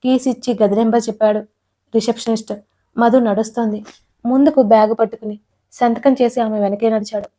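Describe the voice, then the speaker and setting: A woman narrating an audio romance story in an expressive storytelling way, voicing all the characters herself. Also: fairly high pitch, brisk. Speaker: writer and narrator.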